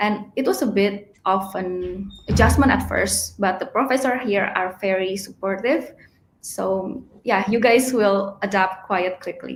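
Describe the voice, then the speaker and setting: Ordinary pitch variation, a fairly slow pace and some vocal fry. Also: woman, medium pitch for a woman. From Indonesia. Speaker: postgraduate marketing student. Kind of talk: panel discussion.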